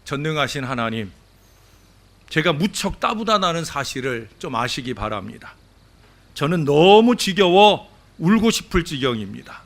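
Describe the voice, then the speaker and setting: A moping, insolent devil who whines that he has nothing to do, as a preaching man puts him on. The voice climbs above the speaker's usual pitch and swings widely from line to line. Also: very animated, moderate pace. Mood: moping, whiny. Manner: whining complaints, then arrogant muttering. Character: sulky, bored, insolent male devil.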